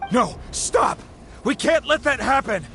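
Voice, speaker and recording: A man's voice: very high voice, big pitch swings, a little slow, sharp tone, faint music behind, exaggerated voice. A man voicing a worried, protective tribal chief who pleads earnestly in a video game. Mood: pleading. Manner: earnest, alarmed.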